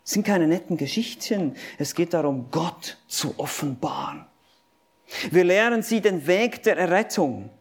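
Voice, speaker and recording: Male preacher, animated pitch, emphatic sermon delivery with rhetorical questions and lists. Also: unhurried, slightly rough. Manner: addresses listeners directly.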